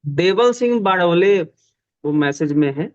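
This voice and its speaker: A man hosts a video call and asks guests short questions. He is courteous and offers quick acknowledgements and good wishes, in a slightly raised voice. The call audio sounds dull and muffled. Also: high-pitched, expressive. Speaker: interviewer. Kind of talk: hosting testimonials on a video call.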